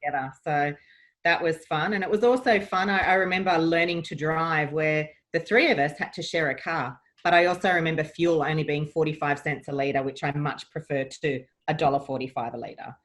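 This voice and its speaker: A woman's voice: low voice, fairly even intonation, brisk, a bit bright. An Australian woman in her forties, a podcast guest chatting casually and upbeat about her childhood. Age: 40s. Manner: chatty and upbeat, given to reminiscing. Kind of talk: casual interview chat.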